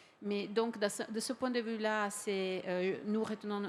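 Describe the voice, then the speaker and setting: With a non-native accent, a woman speaks fairly slowly at a medium pitch, her intonation fairly even. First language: not French (speaking French). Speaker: director of a packaging industry association. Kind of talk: panel discussion. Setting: conference stage. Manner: hesitant, searching for words.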